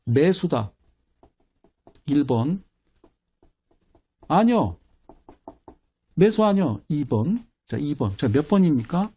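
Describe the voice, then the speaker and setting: A man giving a broadcast stock market lecture, animated, repeating phrases and quizzing his viewers. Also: a little high, slow, pauses often, slightly rough. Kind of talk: broadcast lecture with audience questions.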